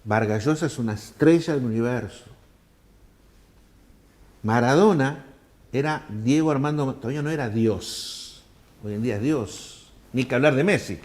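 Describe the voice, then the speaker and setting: A man's voice: mid-range voice, moderate pace, long pauses. Older Argentine man telling travel anecdotes. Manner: animated anecdotes, acts out quoted people in raised voices. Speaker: world traveler telling his story. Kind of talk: storytelling interview answers.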